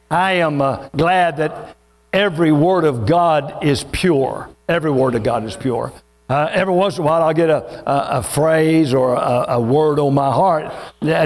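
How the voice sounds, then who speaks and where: A man preaching a sermon as pastor, folksy and joking, drawing out the scripture. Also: on the high side.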